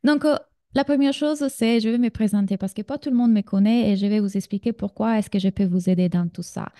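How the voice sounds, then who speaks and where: A woman's voice: mid-range voice, fairly quick, dark tone, dry recording, studio quality. A woman from Sardinia in her thirties with an Italian accent, leading a live online masterclass as a business coach and chatting directly with her audience. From Sardinia, Italy.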